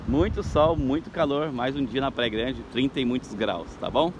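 A man's voice: medium pitch, moderate pace. A man working as a tour guide, chatting upbeat and casual as he films a walk along a beach promenade on his phone. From Brazil. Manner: chatty, upbeat, tags phrases with questions. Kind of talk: casual walking vlog. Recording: outdoor street and beach noise.

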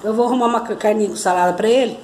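Holding her phone camera at arm's length, a Brazilian-accented grandmother in her fifties vlogs from her kitchen and living room, calling out fondly to viewers with affectionate diminutives. Her mid-range voice moves very fast, and the echoey room carries background noise.

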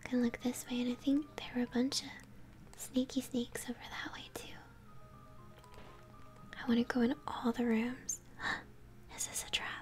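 A woman's voice: a little high, little pitch movement, moderate pace, pauses often. Whispering young woman doing ASMR game commentary. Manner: encouraging, chatty, addressing viewers. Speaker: game streamer. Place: indoor room at home. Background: video game music.

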